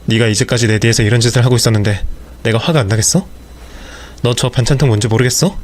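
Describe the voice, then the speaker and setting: A man's voice: mid-range voice, fast, natural voice. A man voicing an angry husband who speaks harshly and accusingly to his wife.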